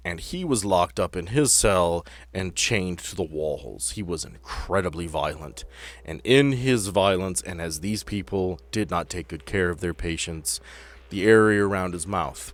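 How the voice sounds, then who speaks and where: A man running a tabletop roleplaying game as game master, improvising the narration in a dramatic, deliberate way with pauses. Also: low-pitched. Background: guitar-led music bed.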